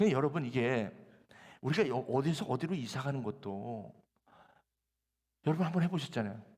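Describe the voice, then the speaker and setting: A man of medium pitch speaks with an animated tone and lively intonation at a fairly quick pace. He leaves long, frequent pauses, and the recording is very clean, with a silent background. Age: 60s. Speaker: pastor. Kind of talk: sermon. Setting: church.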